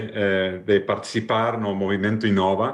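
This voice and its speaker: Speaking fairly slowly, the man talks with a Spanish accent. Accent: non-native Portuguese, Spanish-tinged. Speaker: nonprofit partnerships executive. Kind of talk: online talk presentation. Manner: halting, many fillers.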